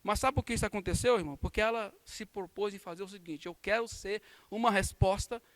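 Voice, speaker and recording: A Brazilian pastor teaching a Sunday school class, his voice set unusually high for a man. He tells a personal story and acts out what each person said, and the sound is close and dry. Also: a little fast, dry recording. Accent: Brazilian Portuguese. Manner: storytelling with acted-out quotes and warm laughs. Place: church.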